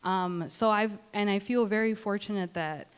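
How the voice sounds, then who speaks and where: Smooth-voiced young woman, reflective. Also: mid-range voice, moderate pace. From Los Angeles. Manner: reflective, heavy use of "like" and "you know". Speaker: panelist. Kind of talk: casual panel talk. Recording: reverberant hall.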